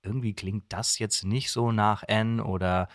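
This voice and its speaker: A man's voice: fairly low pitch, steady tone, normal speed, dry recording, studio quality. A man, a voice actor as podcast guest, explaining things in casual, agreeable interview chat.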